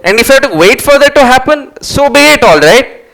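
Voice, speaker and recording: Guy playing sarcastic exasperated stubborn man, high bright voice, stage play reading. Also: lively intonation, fairly quick, vocal fry, full character voice, rough recording. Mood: indignant. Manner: emphatic, sarcastic.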